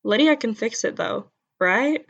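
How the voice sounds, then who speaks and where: A woman's voice: fairly high pitch, animated, unhurried, gravelly, exaggerated voice. A woman acting a puzzled, anxious young woman in an audio drama. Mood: hopeful. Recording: slightly dull microphone.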